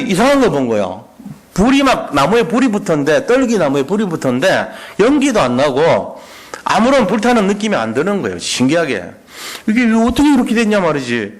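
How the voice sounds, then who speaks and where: A male pastor preaching a Sunday sermon, acting out the words of the people in the story. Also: high voice. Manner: animated preaching, acting out God's and Moses' words.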